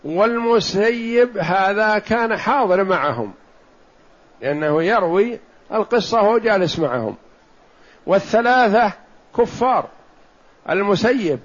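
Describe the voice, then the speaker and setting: A man giving a religious lesson, explaining a text in a measured way and slowing down to stress his points, in a dull lo-fi recording. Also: high voice. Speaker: Islamic scholar teaching hadith commentary.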